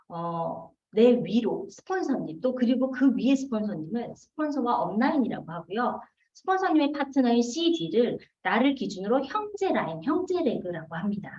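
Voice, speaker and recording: A woman's voice: medium pitch, a little mellow. A woman in her forties giving a seminar talk on teamwork, often asking the audience questions and answering them herself. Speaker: business seminar speaker. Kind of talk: seminar lecture. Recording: roomy, distant, dull lo-fi hall recording.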